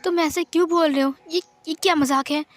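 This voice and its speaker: Woman reading as a confused young guy begging for answers, high voice. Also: fairly even intonation, fairly quick, natural voice. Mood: pleading, hurt. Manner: pleading and confused. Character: hurt, pleading young man.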